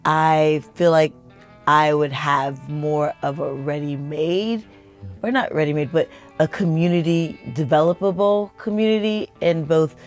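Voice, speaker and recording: A woman co-hosting a casual family talk, thoughtful and measured, often trailing off mid-thought. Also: low-pitched, faint music behind. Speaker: podcast co-host.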